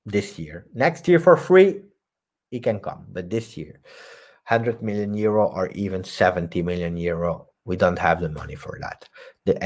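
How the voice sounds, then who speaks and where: A man's voice: sits low, darkish tone. A man hosting a live post-match football reaction stream, talking emphatically and reading viewer comments aloud. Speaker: football channel host.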